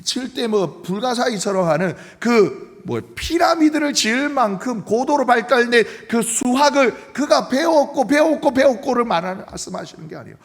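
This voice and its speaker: A male pastor preaching a sermon in church, animated and often putting questions to the congregation. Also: extremely high pitch, normal speed, creaky, few pauses. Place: church sanctuary. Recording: long reverb of a church sanctuary.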